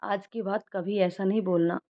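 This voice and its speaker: A woman's voice: medium pitch, fairly even intonation, normal speed, lightly acted. A woman reading the part of a young woman doctor who scolds her boyfriend fondly, in a storybook narration. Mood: scolding, fond. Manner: scolding, affectionate. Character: young woman doctor, fond but easily upset. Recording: dull lo-fi recording.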